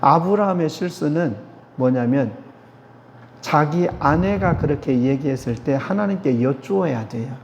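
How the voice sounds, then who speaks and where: A man's voice: a little high, animated, gravelly, slight background noise. Emphatic male preacher in a reverberant church hall. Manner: slow, emphatic, asks the audience questions. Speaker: theology professor. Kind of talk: lecture-sermon to a church gathering. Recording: dull lo-fi sound with long hall reverb.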